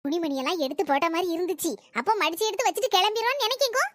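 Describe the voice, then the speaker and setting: A high-pitched cartoon neighbor woman, voiced by a woman, rattling off the street's gossip at speed. She is sly and eager to tell every detail. The voice sits close and dry. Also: very animated, very fast, a bit bright, dry recording, full character voice. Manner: breathless storytelling gossip. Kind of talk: cartoon comedy voice acting.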